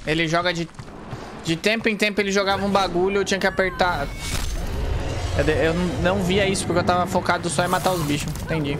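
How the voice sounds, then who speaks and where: A man's voice: high voice, fairly even intonation, fast talker, over music. A young man with a Brazilian accent giving casual gameplay commentary at a desk microphone. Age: young adult. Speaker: game streamer. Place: indoor room at home. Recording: game ambience behind the voice.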